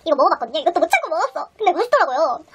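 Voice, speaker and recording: A young adult woman vlogging a mukbang, chatting excitedly to the camera and humming as she tastes food between bites. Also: very high voice, rapid-fire. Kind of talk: casual chat while eating on camera. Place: small indoor room, then a busy restaurant. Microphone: camera on the table in front of her. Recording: background music and restaurant chatter.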